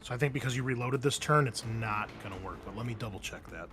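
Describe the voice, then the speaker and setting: A man's voice: mid-range voice, fast. A man acts as game master in a casual tabletop roleplaying session. He describes the action and talks players through the rules in a mid-range voice, with music playing behind him.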